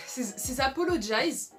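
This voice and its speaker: A woman's voice: sits high, animated, takes it slowly, a bit bright, faint music behind. A young woman giving casual, emphatic commentary in a vlog, repeating her points and often saying sorry. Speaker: video creator.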